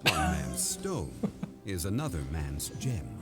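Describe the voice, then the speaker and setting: An actor voicing a measured male fantasy character in a video game line, played as game audio. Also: very deep voice, sing-song, heavily acted. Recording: game audio under loud music.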